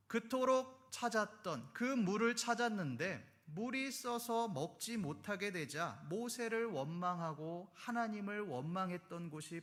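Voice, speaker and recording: Pastor guy preaching, high voice, earnest, keeps asking the congregation questions. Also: a bit bright. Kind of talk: sermon.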